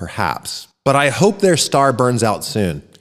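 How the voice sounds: The background is quiet as a natural reading voice is heard.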